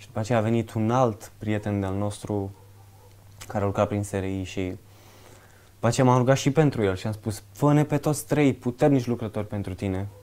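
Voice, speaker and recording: Here a man talks in a fairly low pitch at a moderate pace, with ordinary pitch variation. His loudness swings widely. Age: 20s. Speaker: nurse; guest. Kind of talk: testimony. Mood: reflective, earnest testimony. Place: studio.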